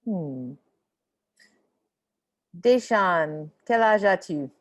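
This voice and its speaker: A woman's voice: on the low side, animated, very slow. A woman teaching an online French class over a video call, mixing French and English as she encourages her students.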